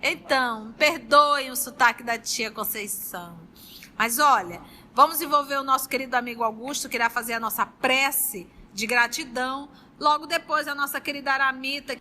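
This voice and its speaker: A woman leading a study group, chatting warmly and then reading a novel aloud. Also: fairly high pitch, normal speed, slight background noise. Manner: warm, chatty and lively between passages.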